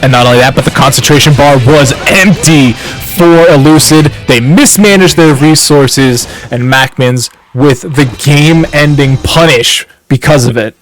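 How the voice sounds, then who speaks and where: A man giving analytical color commentary on a fighting game match, measured with quick asides. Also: a little high. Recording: faint music underneath.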